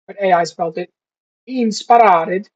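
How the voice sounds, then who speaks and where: Young man, husky voice, casual rambling self-talk, sounds out words slowly, middle pitch, dull lo-fi audio. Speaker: language learner vlogger. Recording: dull lo-fi recording.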